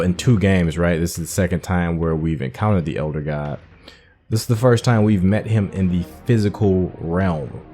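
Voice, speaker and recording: A man's voice: sits low, warm tone. A man hosting a gaming playthrough, giving informal commentary and thinking aloud as he goes. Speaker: gaming host. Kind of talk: casual game commentary.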